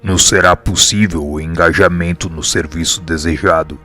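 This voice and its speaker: Radio drama: male actor as calm Brazilian spirit teacher, very low pitch, formal didactic delivery, faint music underneath. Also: normal speed. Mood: calm, instructive. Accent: Brazilian Portuguese. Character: calm wise male spirit mentor explaining things. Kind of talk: scripted radio drama acting. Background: background music.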